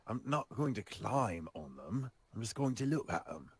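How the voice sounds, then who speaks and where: A man voicing a classy, cautious zombie adventurer in a tabletop game, with a dry, measured, understated manner. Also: on the low side, very animated, exaggerated voice. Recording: clear background noise.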